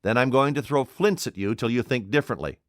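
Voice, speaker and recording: A man's voice: medium pitch, fast, no echo, clean studio sound, lightly acted. A man voicing an invisible man in an audiobook, speaking in a curt, imperious, cold way. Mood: menacing. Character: commanding, desperate invisible man, adult male. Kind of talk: audiobook character voice.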